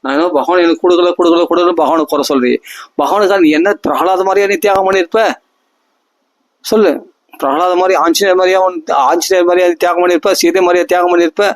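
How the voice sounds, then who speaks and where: A man giving a devotional discourse, chanting verses slowly and pleading with rising fervor. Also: sits high, steady tone, no room sound. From India. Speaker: religious storyteller.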